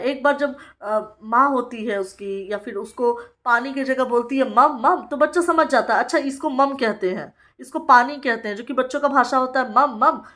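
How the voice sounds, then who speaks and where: A woman from Bihar, India, training teachers in a lecture. She reads English lines slowly, explains them, and keeps checking in with "okay?". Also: high-pitched, a bit bright. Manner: frequent "ठीक है" check-ins with the listener.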